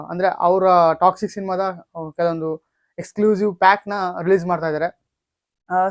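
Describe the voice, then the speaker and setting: A man presents a casual update for his channel. His voice sits a little high for a man, and the sound is dry with no room around it. He talks haltingly, stretching out hesitations and leaning on the same stock phrases. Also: dry recording. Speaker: YouTube channel host. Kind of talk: casual film and gaming news update to camera or mic.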